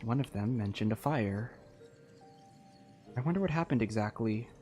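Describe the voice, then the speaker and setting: A man's voice: lowish voice, lively intonation, moderate pace, mellow. A man giving live, casual commentary as he plays a story-driven game. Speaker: streamer playing a game. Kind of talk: live game commentary, reading dialogue aloud. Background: game music.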